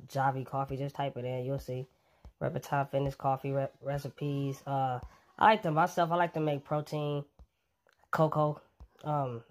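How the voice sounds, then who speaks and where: A fitness vlogger casually pitching a coffee to his viewers, relaxed and chatty, with plenty of ums.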